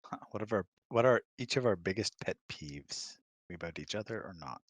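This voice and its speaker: A man's voice: low voice, lively intonation, normal speed, no echo. A laconic, teasing man chatting casually as co-host of a hangout, in short replies. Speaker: co-host, the host's husband. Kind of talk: casual chat.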